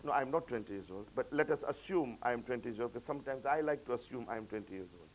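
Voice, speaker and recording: A man delivering a religious lecture, lifting his voice for quoted sayings and dropping it low and quiet for asides. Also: expressive, rapid-fire, slight background noise, low-quality recording. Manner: rises in pitch and volume when quoting, drops low for asides. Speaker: preacher.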